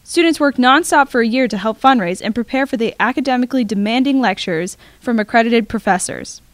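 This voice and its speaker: Teen girl student reporter, steady scripted narration, slightly high voice, dry close recording. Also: a little fast, dry recording. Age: teens.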